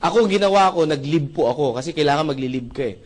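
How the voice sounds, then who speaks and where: A young man from the Philippines giving an animated testimonial at a seminar, acting out conversations and often asking the audience to agree. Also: a little high, fast. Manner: acts out dialogue with shifting voices, asks audience often. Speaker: seminar speaker.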